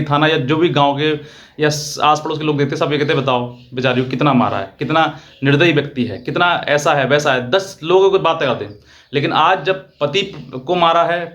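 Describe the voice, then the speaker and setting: A man's voice: on the high side, fairly bright tone. A man, giving earnest legal advice straight to viewers and repeating his points. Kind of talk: direct-to-viewer advice talk.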